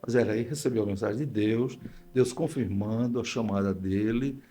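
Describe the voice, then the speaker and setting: In a warm, fairly low voice at normal speed, an older man speaking with a Northeastern Brazilian accent tells stories as a guest pastor in a conversational interview. He repeats phrases and performs the quoted dialogue.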